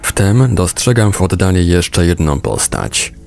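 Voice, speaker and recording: A man's voice: sits low, big pitch swings, a little slow, gravelly, darkish tone, a little hiss or hum. A man reading a book aloud as scripted narration. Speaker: audiobook reader.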